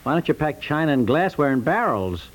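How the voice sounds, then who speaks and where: An American actor playing a practical, slightly impatient husband with offhand, folksy delivery in 1950s radio comedy. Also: male voice, fairly high pitch, very animated, brisk. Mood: agreeable. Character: easygoing but impatient, practical suburban husband. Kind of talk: 1950s radio comedy acting, casual domestic chat.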